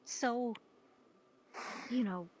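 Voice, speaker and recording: A woman acting as a wary woman in a fantasy game, voice a little high. She speaks in improvised roleplay, distrustful and halting as she searches for the right word. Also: a little mellow, slight background noise. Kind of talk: improvised in-character roleplay dialogue.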